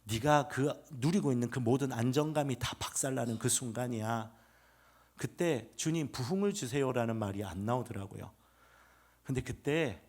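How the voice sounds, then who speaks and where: A middle-aged male pastor with a Gyeongsang accent, preaching an emphatic revival sermon that swings from loud proclamation to hushed murmur. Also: mid-range voice. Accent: Gyeongsang Korean.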